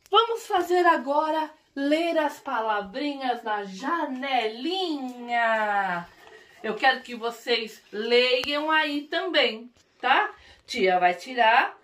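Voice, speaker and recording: A woman's voice: high voice, fairly bright tone. A Brazilian woman teacher reading words aloud syllable by syllable for young children in a literacy lesson, coaxing them to read along. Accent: Brazilian Portuguese.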